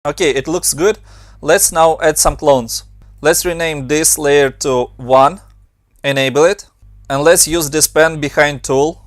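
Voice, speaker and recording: A young man from Ukraine with a Ukrainian accent, calmly talking through a software tutorial step by step. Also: a little high, unhurried, dry recording, clean studio sound. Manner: steady step-by-step instructions in non-native English. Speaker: motion design tutor. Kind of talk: screen-recorded software tutorial.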